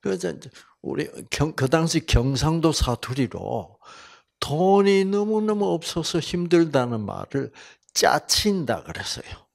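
An older man gives a Bible lecture full of personal stories, his voice gravelly and husky. He talks slowly, and his pitch rises and falls a lot. He jumps from loud exclamations to quiet asides. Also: very animated. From Korea (Busan). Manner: folksy storytelling, swings between loud exclamations and soft asides. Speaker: health seminar lecturer.

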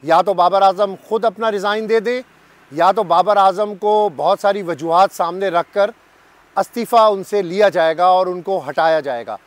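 A man's voice: high-pitched, normal speed. A man in his fifties with a Pakistani Urdu accent, a cricket journalist giving emphatic, repetitive commentary straight to camera in a garden. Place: sunny garden outdoors.

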